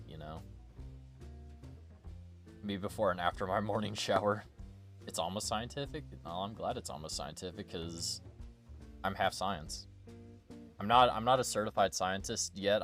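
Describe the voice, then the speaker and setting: A young man chatting casually as a streamer, rambling and joking with plenty of swearing. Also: sits low. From United States. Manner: rambling, jokey, profane. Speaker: VTuber streamer.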